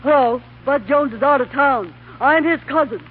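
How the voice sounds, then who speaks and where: Woman acting a nasal, very high-voiced feisty showgirl. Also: moderate pace, a little hiss or hum, lightly acted. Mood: defiant, bluffing. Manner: feisty, suspicious. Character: brassy, defiant showgirl disguised as a boy. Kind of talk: 1930s radio comedy acting. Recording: tinny 1930s radio broadcast.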